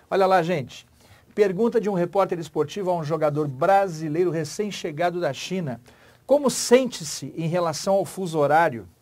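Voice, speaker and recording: A Brazilian-accented man gives a grammar lesson to the camera. His voice sits a little high for a man. He jokes and leans hard on key words as he explains. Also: a little mellow. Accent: Brazilian Portuguese. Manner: playful, joking, emphatic teacher talk. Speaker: Portuguese grammar teacher.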